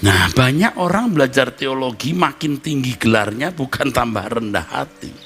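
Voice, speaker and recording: Noticeable background noise surrounds a man with a medium pitch. He speaks in an animated tone with lively intonation and hardly any pauses. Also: moderate pace. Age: 60s. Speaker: pastor. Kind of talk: sermon.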